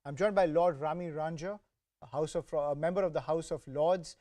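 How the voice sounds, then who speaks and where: A man's voice: a little high, normal speed, dark tone, dry recording. A man anchoring live TV news, formal, with hesitant fillers when he turns to questions. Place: TV studio.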